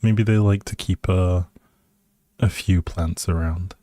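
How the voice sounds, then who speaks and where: A man chats through his game stream at a very unhurried pace, musing and hesitating as he thinks aloud. His voice is low and very mellow, close and dry on the mic. Sentences often trail off into the next thought. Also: steady tone, no room sound. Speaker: live streamer playing a life simulation game. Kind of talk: casual chatty gameplay commentary, thinking aloud.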